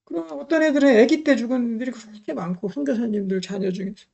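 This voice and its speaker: A woman's voice: on the high side, fast, creaky, dark tone, lo-fi sound. A middle-aged woman preaching a sermon, emphatic, repeating key phrases and putting rhetorical questions to the congregation.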